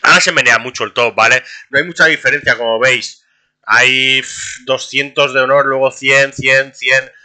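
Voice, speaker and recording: A young man, streaming a game and talking to his chat in a casual, excitable way, laughing often. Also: medium pitch, moderate pace. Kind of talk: casual gameplay commentary.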